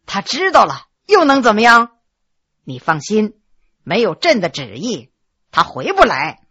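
A woman's voice: medium pitch, wildly swooping pitch, a little slow, sharp tone, breathy edge, pitched below the performer's own voice, exaggerated voice. A woman voicing a commanding, doting middle-aged emperor who speaks indulgently and soothingly, in a slightly muffled recording. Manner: indulgent, soothing, then overjoyed.

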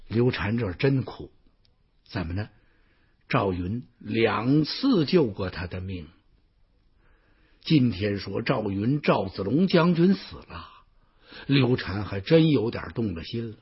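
A male storyteller, telling a historical tale in a lively, colloquial way full of exclamations, with a husky voice. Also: mid-range voice, takes it slowly, pauses often, dull audio. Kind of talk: traditional Chinese storytelling.

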